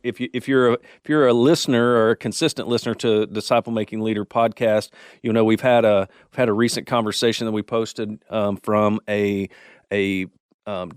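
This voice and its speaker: A low-pitched man hosts a podcast in easy, rambling chat, often restarting his sentences. The sound is dry and close, with no room echo. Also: steady tone, normal speed, clean tone. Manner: rambling, many restarts and fillers. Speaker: podcast host.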